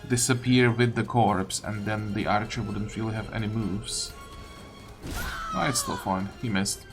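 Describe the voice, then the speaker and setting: A man's voice: lowish voice, huge pitch swings, unhurried. A man giving casual game commentary, thinking aloud through his tactics in loose fragments. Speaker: gaming video creator. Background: game music.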